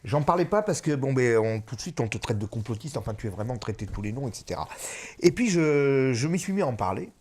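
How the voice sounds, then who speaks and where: A middle-aged man discusses politics with conviction, repeating key phrases and filling pauses with hesitations. His pitch swings widely as he presses his points. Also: sing-song, darkish tone, slightly rough. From France. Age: 50s. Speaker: author and guest.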